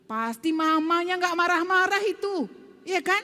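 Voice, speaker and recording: A woman leads a children's Sunday school lesson in a church. She coaxes the kids with lively questions, and her voice carries a long reverb from the church live stream. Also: extremely high pitch, moderate pace. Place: church hall.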